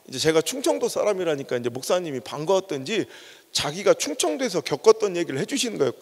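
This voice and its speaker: Lively high-voiced Korean preacher. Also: male voice, in a large hall. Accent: Chungcheong Korean. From Chungcheong, Korea. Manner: animated storytelling with acted-out dialogue. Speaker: pastor. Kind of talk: sermon. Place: church sanctuary.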